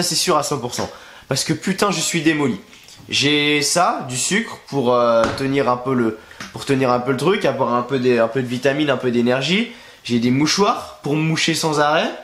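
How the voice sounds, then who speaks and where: His voice sits high with a fairly bright tone as this young man, worn down and congested with the flu, sarcastically and crudely rants through a wrestling review. He speaks to a camera facing him in his bedroom at home, and the sound is roomy.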